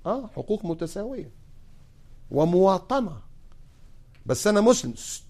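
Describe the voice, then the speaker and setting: A man's voice: high voice, sing-song, normal speed, darkish tone. A male Muslim preacher with an Egyptian Arabic accent, giving a sermon full of sarcastic rhetorical questions.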